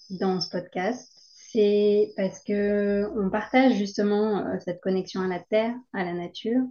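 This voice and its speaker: A woman with a plain, everyday voice, medium pitch and ordinary pitch variation. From India. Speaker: podcast host, former doctor. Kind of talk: interview.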